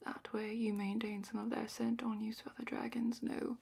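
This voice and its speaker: A woman playing a calm, patient dragon keeper guiding a student, in a gently wry, soft whisper for a fantasy ASMR roleplay, close to the microphone. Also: a little high, normal speed, exaggerated voice. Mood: calm, instructive. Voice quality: breathy whisper and soft-spoken murmur.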